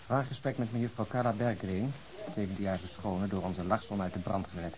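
A man's voice: fairly low pitch, steady tone, fairly quick, a crowd in the background, natural voice. A man acting a wry, mock-formal police colleague in a radio drama, speaking ironically. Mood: dryly ironic. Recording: noisy old radio recording.

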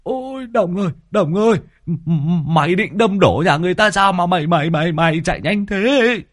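A man voicing a brash, scarred male thug who shouts. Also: on the high side, animated, moderate pace, no room sound, clean studio sound, pitched above the performer's own voice. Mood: alarmed.

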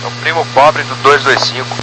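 Brazilian pilot talking over a cockpit radio. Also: male voice, medium pitch, little pitch movement, a little fast. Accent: Brazilian Portuguese. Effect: heard over a cockpit radio headset. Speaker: airline pilot. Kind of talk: radio talk with air traffic control. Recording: noisy aviation radio channel.

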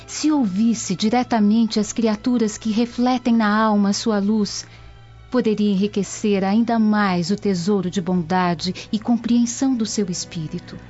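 An actress playing an earnest young Roman granddaughter with Christian faith in a radio soap opera, reverent and declamatory. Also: female voice, mid-range voice, warm tone, lightly acted. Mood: earnest, gentle. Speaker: radio drama actor. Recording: dull lo-fi audio with faint music.

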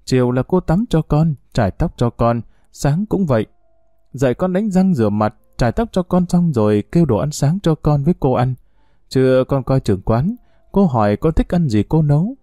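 Storybook: man plays a weepy homesick little girl, pleading, dark-toned and dry. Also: medium pitch, lively intonation, moderate pace, no room sound, close to an everyday voice. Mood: tearful pleading. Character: young girl, homesick and tearful.

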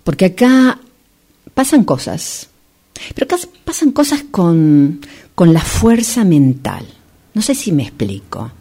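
A woman in an amateur radio play acting a smooth-talking, insistent female real estate agent, with theatrical dramatic pauses. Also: lowish voice, very animated, dark tone, exaggerated voice. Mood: mysterious, coaxing.

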